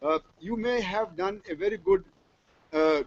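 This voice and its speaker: A man with a Punjabi accent talks at a high pitch. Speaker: teacher trainer. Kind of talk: lecture. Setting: online broadcast session.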